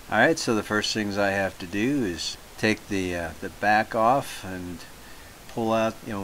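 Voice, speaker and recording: A man talking casually about his hobby, unhurried and hesitant, with lots of fillers, in a home workshop. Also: on the low side, a bit bright, a little hiss or hum. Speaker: hobbyist radio collector. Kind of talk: casual talk to camera.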